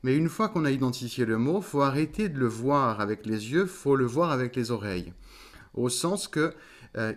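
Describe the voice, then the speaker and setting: A man, a voice coach, explaining in an interview and often pausing to search for words. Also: medium pitch. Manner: thoughtful, searching for words with many fillers. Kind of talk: interview conversation.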